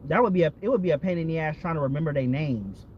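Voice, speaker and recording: A man's voice: a little high, animated, very fast. An American man chatting casually and candidly, rambling with frequent swearing and repeating himself as he goes. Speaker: vlogger. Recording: dull lo-fi audio with background vehicle noise.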